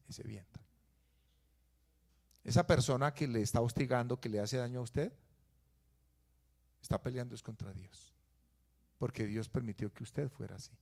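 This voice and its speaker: Male pastor, mid-pitched, preaching with dramatic shifts between forceful emphasis and soft asides. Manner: swings from loud emphatic peaks to low quiet asides. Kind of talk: sermon.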